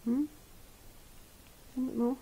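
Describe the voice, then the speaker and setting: A woman who rescues and cares for bats, gently talking and often whispering to an animal as she feeds it in a home kitchen, recorded on a head-mounted camera. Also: slow pace, a little hiss or hum. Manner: soft, coaxing, often whispering. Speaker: bat rescuer and carer. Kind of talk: gentle commentary while feeding an animal.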